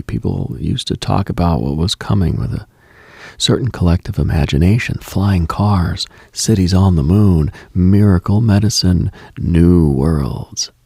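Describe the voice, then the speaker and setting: A man hosting a late-night radio show, speaking in a slow, reflective monologue that often sinks into a whisper and lists ideas in short measured phrases. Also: a little mellow, no room sound, clean studio sound. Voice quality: gravelly low voice, often dropping to a whisper.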